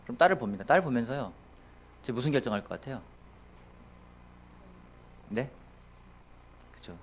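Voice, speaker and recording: Lively Korean pastor preaching. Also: male voice, medium pitch, moderate pace. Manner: lively, asks the congregation questions, playful voices for quotes. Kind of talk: sermon. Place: church sanctuary.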